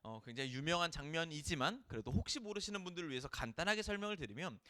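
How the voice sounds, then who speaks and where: A young man, a junior pastor, preaching a sermon in lively storytelling style, acting out the dialogue in casual voices. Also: high-pitched, no room sound, studio quality.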